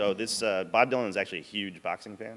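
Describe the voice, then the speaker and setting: Over clear music in the background, a man talks at a fairly quick pace in a very deep, low pitch. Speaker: keynote speaker. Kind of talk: conference keynote talk. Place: hall. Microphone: podium.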